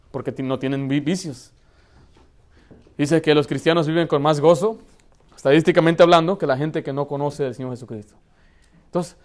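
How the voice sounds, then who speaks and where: Man preaching, slightly high voice. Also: darkish tone. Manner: emphatic, conversational preaching with rhetorical questions. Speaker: pastor. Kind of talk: Baptist sermon. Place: church.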